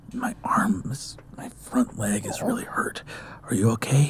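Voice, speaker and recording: Over light background noise, a man performs a put-on character voice at a fairly high pitch and a moderate pace. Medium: actual play.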